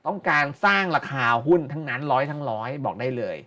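A man's voice: a little high, animated, quick pace, bright, forceful tone. Blunt, slangy male market commentator. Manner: blunt, slangy, repeats phrases for emphasis. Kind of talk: casual live market commentary.

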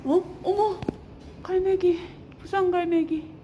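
A woman's voice: extremely high pitch, steady tone, slow, lo-fi sound, a little hiss or hum. A middle-aged woman from Busan with a Gyeongsang accent, chatting on a travel vlog and exclaiming at what she finds in an indoor lounge. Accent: Gyeongsang Korean. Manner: chatty, easily delighted, exclaiming. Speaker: vlogger. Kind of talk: casual travel vlog chat. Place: indoor walking-trail lounge.

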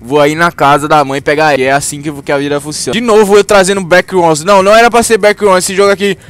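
Excitable, swearing young Brazilian gamer guy. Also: fairly high pitch, quick pace, clear, resonant tone. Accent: Brazilian Portuguese. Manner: profane, excitable, swings between yelling and muttering. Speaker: gaming youtuber. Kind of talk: gameplay commentary.

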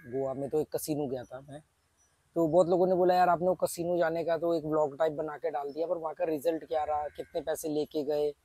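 A man's voice: on the high side, warm tone, no room sound. A man in his thirties with a sore throat, chatting casually to camera as a vlogger, explaining things step by step in an outdoor garden with a clip-on mic. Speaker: travel vlogger. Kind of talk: casual vlog talk to camera. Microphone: small clip-on mic on shirt.

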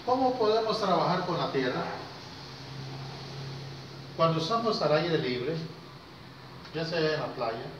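A man, giving an informal lecture to a small class in an unhurried way, with pauses and questions to his listeners. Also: fairly high pitch, distant mic. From Costa Rica. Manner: unhurried, pausing between short phrases, questioning listeners. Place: small indoor classroom with whiteboard. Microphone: handheld camera a few metres away. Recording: very echoey, noisy, muffled room recording from afar.

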